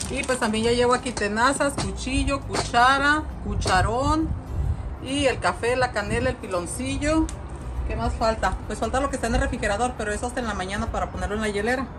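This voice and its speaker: Fairly quick speech from a woman, backed by music. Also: ordinary pitch variation. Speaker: home cook vlogger. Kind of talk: casual vlog chat. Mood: cheerful, laughing. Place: garden. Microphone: phone near.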